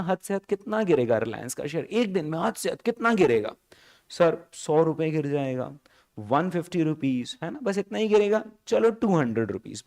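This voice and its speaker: A man's voice: a little high, darkish tone. A man with an Indian accent teaching finance in a revision lecture, mixing Hindi and English and asking his students questions as he goes. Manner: slows down to stress key phrases.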